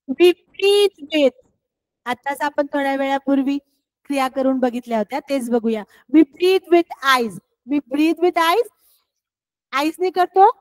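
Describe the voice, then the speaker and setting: A woman teacher with a Marathi accent explaining English words to children, slowly and deliberately, often repeating her questions to the class. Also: sits high, no echo, rough recording. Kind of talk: scholarship exam English lesson for children.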